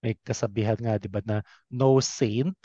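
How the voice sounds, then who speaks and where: A man's voice: on the low side, fairly even intonation, measured pace, mellow, no echo, lo-fi sound. A man with a Filipino accent hosting a conversational interview, switching between two languages as he goes. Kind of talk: conversational interview hosting, mixing Tagalog and English.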